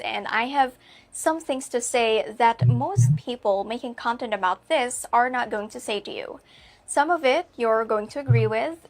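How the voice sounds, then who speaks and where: A woman from the Philippines presenting a scripted advice video in a direct, measured, pointed way. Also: on the high side. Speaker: video channel host.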